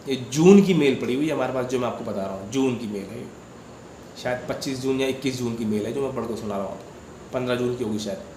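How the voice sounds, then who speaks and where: A man's voice: medium pitch, fast talker, warm tone, echoey room, a little hiss or hum. A man hosting a devotional channel, casually retelling a viewer's dream experience in a conversational way, repeating words and asking listeners questions.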